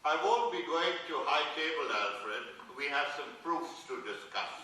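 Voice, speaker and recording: A man's voice: fairly high pitch, lively intonation, measured pace, pushed and bright, slight background noise. A man acting a terse, work-minded mathematician in a dramatised play reading. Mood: brisk, reserved. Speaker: stage actor. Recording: very echoey hall, distant mic.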